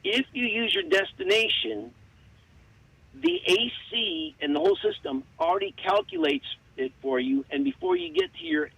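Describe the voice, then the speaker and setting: A man in his sixties calling in to a radio show, rambling and halting with many fillers. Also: very high voice, wildly swooping pitch, creaky, fairly bright tone, husky, no echo, low-quality recording. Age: 60s. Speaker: caller. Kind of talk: phone-in chat.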